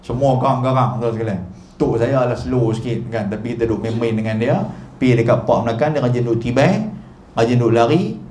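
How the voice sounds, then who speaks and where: A man's voice: medium pitch, brisk, warm tone, roomy sound, a little hiss or hum. A male religious teacher giving a chatty mosque lecture, modelling Arabic letter sounds. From Malaysia. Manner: chatty, demonstrative, repeatedly modelling Arabic pronunciation.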